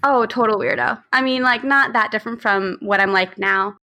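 A woman's voice: fairly high pitch, normal speed, sharp tone. A woman in her thirties from Long Island with an American accent and Spanish as her first language, telling stories casually as an interview guest. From Long Island, New York, United States. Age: 30s. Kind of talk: casual conversational storytelling.

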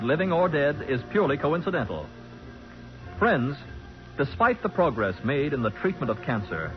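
A man with an American accent announcing from a script in emphatic, polished 1940s radio style. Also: a little high. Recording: muffled 1940s radio recording. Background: music.

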